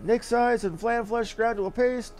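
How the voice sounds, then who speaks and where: A man voicing a small, excitable young female helper from a fantasy game, in a theatrical, effusive manner. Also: extremely high pitch, moderate pace, faint music behind. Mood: grateful, fussy. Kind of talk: reading game dialogue in character.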